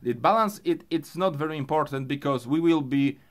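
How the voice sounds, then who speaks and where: A man who speaks English as a second language, presenting an unscripted hands-on music gear tutorial in a halting way, thinking aloud. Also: fairly high pitch. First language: not English.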